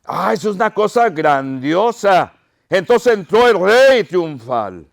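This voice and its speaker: A man's voice: high-pitched, big pitch swings, slow, creaky. A pastor preaching an impassioned sermon to his congregation, crying out pleas and calling them his brothers.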